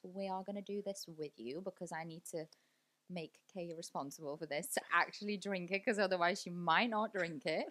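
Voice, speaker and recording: A woman's voice: on the low side, normal speed, fairly bright tone. A woman in her thirties co-hosting a casual podcast, upbeat and teasing. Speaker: podcast co-host. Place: small cosy studio room, indoors. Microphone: studio mic on boom arm.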